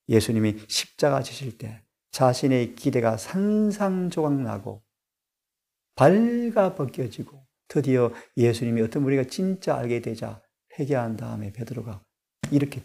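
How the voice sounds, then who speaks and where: A man preaching a sermon, emphatic and full of rhetorical questions to the congregation, swinging between loud stressed lines and hushed asides. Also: medium pitch, gravelly. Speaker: pastor and Bible study director.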